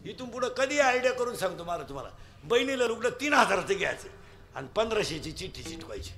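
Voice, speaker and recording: A man giving a comic devotional kirtan sermon, joking and telling lively stories with acted-out quotes. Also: high voice, fast talker. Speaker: kirtan preacher.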